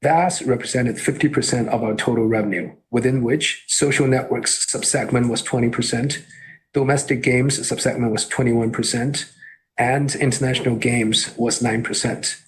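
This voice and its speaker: A man reading a scripted earnings call presentation as a company executive, in a formal and measured way. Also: medium pitch, steady tone, rough recording.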